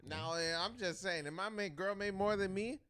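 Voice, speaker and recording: A young man co-hosting a podcast, chatting casually in a loud, excitable and profane way. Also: high-pitched, normal speed. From Canada. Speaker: podcast co-host.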